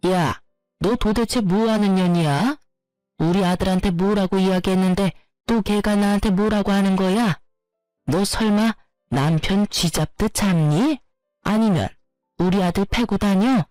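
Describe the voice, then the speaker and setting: A woman's voice: medium pitch, measured pace, mellow, dry recording, faint music behind, close to an everyday voice. A woman voicing a harsh, scolding older mother-in-law. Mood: berating. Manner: scolding, insulting, berating.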